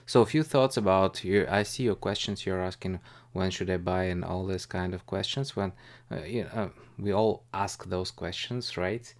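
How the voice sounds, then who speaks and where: A man's voice: low voice, moderate pace. A man hosting a live stream, talking casually and a bit hesitantly in a rambling, informal way about investing.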